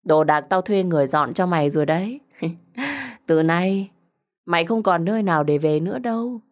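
A cruel, two-faced young woman, acted out by a female storyteller, talks down to her victim in an audio story. Her voice sits a little low, and she is smug, taunting and thick with sarcasm. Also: a little fast, natural voice. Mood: smug, mocking.

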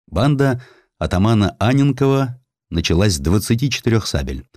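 A low-voiced man delivers dramatic scripted narration. His intonation moves widely, with weighty pauses for effect. The sound is dry and close. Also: sing-song, darkish tone, no room sound. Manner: theatrical, measured with weighty pauses. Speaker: narrator, audiobook performer.

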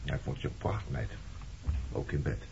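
A man's voice: extremely low pitch, fairly even intonation, normal speed, gravelly, dark tone, heavily acted. An actor playing a blunt, reproachful man questioning his former lover in a Dutch radio play. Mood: reflective, probing. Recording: muffled, noisy old radio recording.

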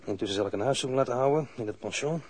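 An actor playing a composed, authoritative police investigator in a radio drama, speaking formally and insistently. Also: male voice, mid-range voice, very fast, darkish tone, natural voice. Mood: calm, dry. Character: stern, composed male police investigator, probing and dryly authoritative. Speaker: police interrogator. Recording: noisy archived radio drama recording.

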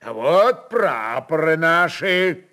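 Мужчина играет дерзкого казачьего атамана, говорит размеренно. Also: male voice, fairly high pitch, animated, slow pace, sharp tone, exaggerated voice. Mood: mock solemn. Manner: mock-humble, theatrical, commanding. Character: bold, mocking Cossack chieftain, sturdy and forceful.

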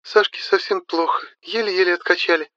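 A man voicing a tired young wife and mother who sounds drowsy and resigned, speaking softly. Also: high voice, fairly even intonation, normal speed, no room sound, lo-fi sound, voice pushed up. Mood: sleepy. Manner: drowsy, hopeless, soft.

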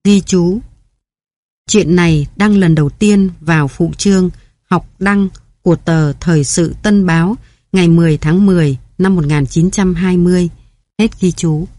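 Woman reading a storybook, calm measured pace, deep-ish mellow tone, dry close mic. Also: no echo. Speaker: audiobook narrator. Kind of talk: scripted narration.

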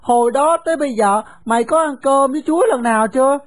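A woman's voice: high-pitched, fast, voice pushed up, natural voice. A woman voicing a cheerful, bold young orphan boy who teases his friend. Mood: cheerful, eager. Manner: teasing.

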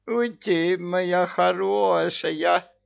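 A man voicing a drunk, boastful immortal male villain in a storybook reading, with a high, excited, bossy delivery. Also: extremely slow, creaky, clean tone, dull audio, full character voice. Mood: drunken glee. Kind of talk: audiobook character voice.

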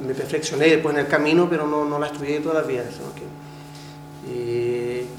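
A man's voice: on the high side, steady tone, brisk, reverberant, soft background music, poor audio. A man in his forties from Brazil, speaking Spanish as a second language with a Portuguese accent, answering interview questions hesitantly with frequent restarts. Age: 40s. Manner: hesitant, many restarts, laughs while telling stories. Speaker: interviewee, samba percussionist.

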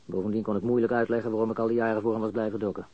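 An actor as a jittery, cornered petty crook. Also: male voice, on the low side, flat delivery, rapid-fire, dry recording, natural voice. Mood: bitter, resigned. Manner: stammering, nervous laughing, slangy and bitter. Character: jittery petty crook confessing to police under interrogation. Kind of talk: Dutch radio crime drama acting. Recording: dull lo-fi studio radio recording.

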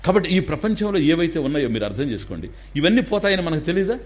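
A man giving a spiritual discourse, animated and acting out little dialogues while explaining terms. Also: on the high side, fast, slightly rough. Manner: animated, acts out dialogues, mixes in English terms. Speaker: spiritual teacher.

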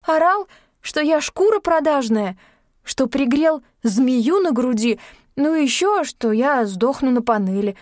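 A woman voicing a distraught, tearful young woman who wails and sobs between excited outbursts. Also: high-pitched, a little slow, no echo, studio quality, voice pushed up. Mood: agitated. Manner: wailing, sobbing outbursts.

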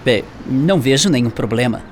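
A man's voice: medium pitch, animated, a little fast, a little hiss or hum, close to an everyday voice. An actor playing a young male shop colleague in a radio drama, friendly and persuasive.

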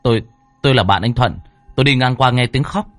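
A man's voice: medium pitch, a bit bright, faint music behind, pitched above the performer's own voice, lightly acted. A man voicing an anxious young village man calling urgently for help at a door. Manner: urgent, hurried.

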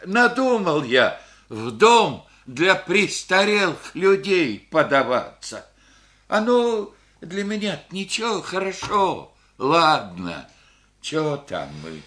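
An actor playing a humble elderly village grandfather, a war veteran, who speaks slowly and hesitantly in rustic speech. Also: a little high, sing-song, fairly bright tone, exaggerated voice. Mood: resigned. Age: older. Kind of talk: radio play acting.

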